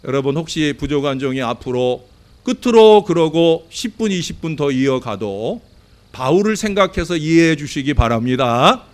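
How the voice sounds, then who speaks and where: A middle-aged male pastor delivers a Sunday sermon in an earnest preaching style. His voice sits a little high for a man, and he builds to emphatic, louder peaks before dropping back down. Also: expressive, normal speed. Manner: earnest preaching that swells to emphatic peaks, with shouted acted quotes.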